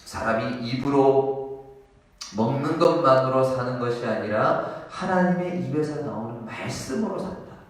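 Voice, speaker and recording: A man's voice: medium pitch, a little slow. A male pastor preaching a sermon in a church, animatedly asking and answering his own questions. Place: church sanctuary. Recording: echoey hall, mic far off.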